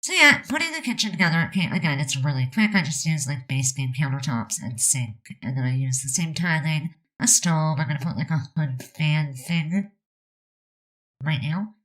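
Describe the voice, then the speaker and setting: A woman's voice: sits low, expressive, normal speed, a bit bright. A woman chatting casually over a building video, rambling with lots of fillers, her nose stuffed up. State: stuffed up, about to sneeze. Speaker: Sims builder narrating a speed build.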